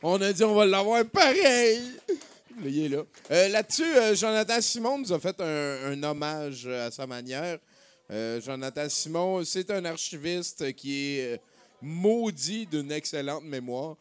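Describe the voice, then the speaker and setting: A man's voice: fairly high pitch, animated, a little slow, clear, resonant tone. A man hosting a live radio show, announcing with energy and many filler words. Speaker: radio host.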